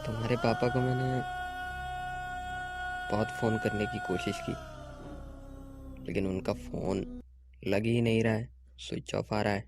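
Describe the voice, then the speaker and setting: An actor playing a friendly young man who speaks in a calm, reassuring way. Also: lowish voice, measured pace, pauses often, over loud music, exaggerated voice.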